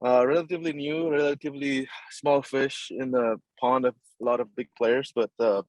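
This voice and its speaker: A man's voice: mid-range voice, steady tone, normal speed, dry recording, poor audio. Hesitant Nepal-born man with a dry sound. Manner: hesitant, many fillers and repeated words, polite "yes, sir". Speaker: construction company CEO, guest. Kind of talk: casual interview answers.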